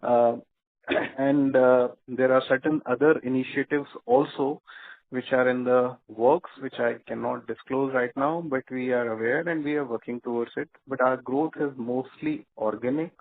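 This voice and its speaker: A company executive answering an analyst's question at a measured pace, with many fillers and restarts. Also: male voice, mid-range voice, steady tone, no room sound. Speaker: company executive on earnings call. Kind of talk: earnings call answer. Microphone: conference call phone line. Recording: dry tinny phone line.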